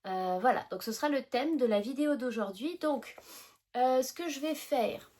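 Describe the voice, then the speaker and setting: A woman's voice: high-pitched, lively intonation, normal speed, darkish tone. Hesitant French woman chatting casually. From France. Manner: hesitant, many fillers and restarts. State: tickly nose from pollen. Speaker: cross-stitch vlogger. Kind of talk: casual chat to camera.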